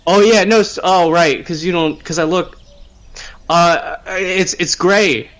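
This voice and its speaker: A man narrating his character's actions in a tabletop roleplaying game, halting and bemused as he goes. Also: high-pitched, steady tone, a bit bright. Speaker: player in a tabletop roleplaying podcast. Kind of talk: improvised first-person roleplay narration.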